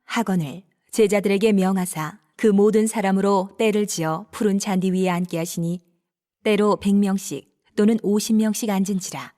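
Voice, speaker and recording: Casting: woman narrator, middle pitch, steady formal scripture reading.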